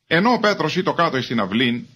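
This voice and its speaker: A man's voice: on the high side, very animated, pushed and bright, breathy edge. Man reading scripture aloud. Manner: measured, formal reading. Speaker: Bible reader.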